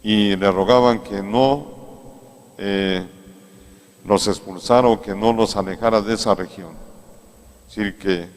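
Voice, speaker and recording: A man with a Mexican accent preaches a sermon, his low voice moving slowly and carrying a long echo through a large cathedral. He talks to the congregation in a plain, conversational way, taking his time and repeating his main points. The sound of the big stone room hangs around every word. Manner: unhurried, conversational preaching that repeats key phrases. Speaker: priest.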